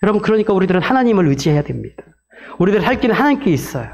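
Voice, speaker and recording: Pastor preaching with a very high voice, animated and dramatic, mimicking sound effects. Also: male voice, racing. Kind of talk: sermon.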